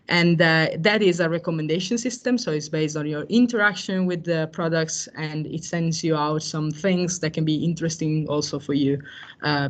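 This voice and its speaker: Hesitant tech presenter. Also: mid-range voice. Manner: hesitant, frequent fillers and self-corrections. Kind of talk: technical talk on cloud AI services.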